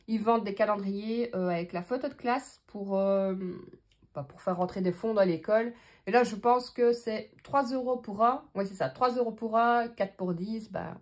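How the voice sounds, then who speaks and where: A budgeting vlogger with a Belgian French accent chats casually to camera, thinking aloud and filling her speech with fillers as she counts out her budget. Her mid-range voice has a slightly mellow quality.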